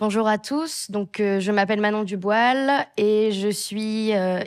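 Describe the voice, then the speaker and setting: A woman at medium pitch, very slow in pace, with fairly even intonation, on a very clean recording with a silent background. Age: 20s. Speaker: young carer, primary school teacher. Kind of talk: self-introduction at conference. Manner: hesitant, repeats words.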